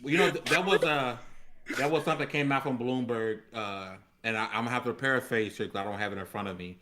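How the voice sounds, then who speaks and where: A man with a medium-pitched voice talks on a gaming panel. He explains things casually and in a measured way, dropping in colloquial asides. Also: over a noisy crowd.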